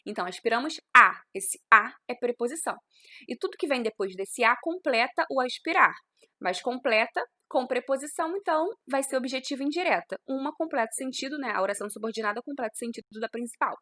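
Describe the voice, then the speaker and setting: A woman's voice: on the high side, lively intonation, a little fast, bright, forceful tone. A woman teaching a grammar lesson, explaining step by step and asking and answering her own questions.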